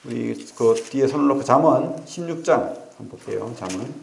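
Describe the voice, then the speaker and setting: Male pastor for a sermon, gravelly voice, lively storyteller who keeps checking in with the pews, roomy church sound. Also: mid-range voice, brisk, slight background noise. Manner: animated storytelling with rhetorical questions to the congregation. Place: church sanctuary.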